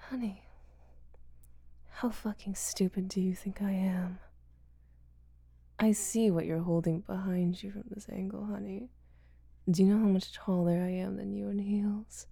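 A woman's voice: mid-range voice, steady tone, slow pace, vocal fry, long pauses, dark tone, husky, dry recording. A woman whispering an intimate audio roleplay close to the microphone, teasing and possessive with frequent giggles.

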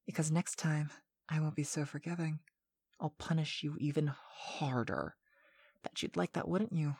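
A woman performing a scripted hypnotic monologue as a domineering mistress, sweet yet stern, with commanding, deliberate delivery and some breathy whispered phrases. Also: deep voice, darkish tone.

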